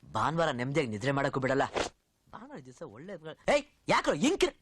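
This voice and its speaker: A man's voice: medium pitch, very animated, fast talker, background noise, close to an everyday voice. An actor playing a brusque bachelor man who scolds and turns people away from his house, in film dialogue. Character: gruff bachelor man guarding his home.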